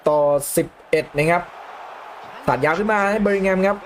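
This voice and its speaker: A young man commentating his own football video game match, calmly explaining tactics between loud excited outbursts. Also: sits high, fairly quick. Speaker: gaming YouTuber. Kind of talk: live gameplay commentary.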